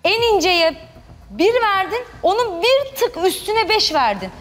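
Very high-pitched indignant woman contestant. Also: very animated, measured pace, over music. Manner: indignant, complaining, theatrical. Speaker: contestant, daughter-in-law. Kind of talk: reality show bickering. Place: TV studio set.

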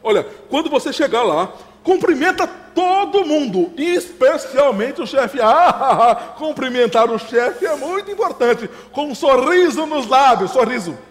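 A man's voice: very high voice, very animated, unhurried, full character voice. A man playing a fussy, overbearing father who chuckles, repeats himself and lectures his son in an amateur stage play. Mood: chuckling advice. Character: fussy, overbearing middle-aged father giving advice. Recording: reverberant hall.

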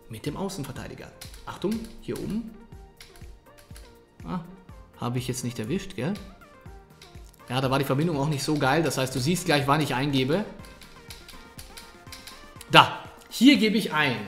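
A man giving energetic, colloquial coaching commentary over gameplay, talking straight to the viewer. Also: medium pitch, moderate pace, pauses often. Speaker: gaming coach. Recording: echoey room. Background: faint background music.

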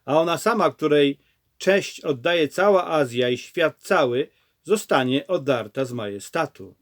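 A man's voice: fairly high pitch, expressive, unhurried. A man voicing a silversmith who rouses his fellow craftsmen, in a plain read-aloud delivery. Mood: urgent.

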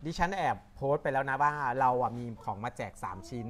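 A woman's voice: a bass voice, lively intonation, fairly quick. A woman from northeast Thailand with an Isan accent, hosting a live-stream sales chat and repeating words for emphasis. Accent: Isan Thai.

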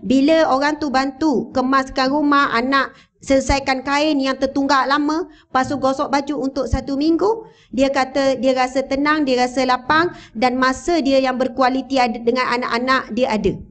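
Woman preacher, Malaysian Malay accent, high pitch, animated and engaging with the audience. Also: moderate pace. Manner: animated, addresses the audience with questions. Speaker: religious teacher. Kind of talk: religious talk to a mosque audience. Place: mosque hall, indoors. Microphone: handheld or lapel microphone, standing.

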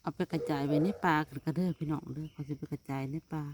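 Isan lady vlogging outside on her phone, lowish voice, chatty, calls viewers brothers and sisters. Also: steady tone, racing, darkish tone, a little hiss or hum. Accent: Isan Thai. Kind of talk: casual outdoor vlog chat.

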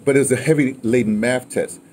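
An older American man in his sixties chats outdoors by a house with a wooden awning, a guest rambling through stories of his radio history. His tone is soft and dark, his voice mid-range, and he talks fast, animated and digressive, often ending phrases with "right?" and "you know." There's a bit of clear ambient noise in the background.

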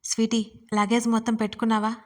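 A woman voicing a stern middle-aged mother who speaks in a sharp, reproachful way. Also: fairly high pitch, completely flat delivery, fast, close to an everyday voice. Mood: scolding.

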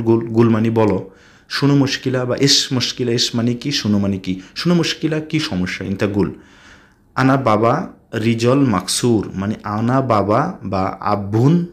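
A man with a Bangladeshi accent teaching basic spoken Arabic, repeating each word slowly and mixing in English phrases. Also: mid-range voice. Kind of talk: spoken language lesson.

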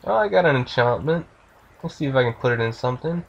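A man's voice: mid-range voice, expressive, fast talker, gravelly, highs cut off, a little hiss or hum. A man giving loose, joking let's play commentary while he plays, swearing freely. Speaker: gamer.

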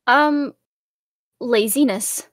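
A woman's voice: a little high, drawn-out words, no room sound, clean studio sound. A woman chatting casually as an interview guest in a cute, bubbly streamer manner, rambling along.

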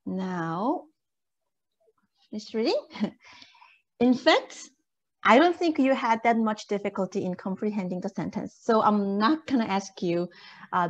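A university lecturer with a medium-pitched voice gives an interactive online lesson over an indoor video call, sounding encouraging and checking understanding with questions. The audio is dull.

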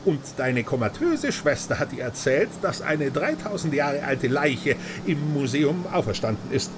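An actor playing an uneasy companion in an audio drama, asking hesitant questions conversationally. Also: male voice, fairly high pitch, very animated, unhurried. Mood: doubtful. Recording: clear vehicle noise behind voice.

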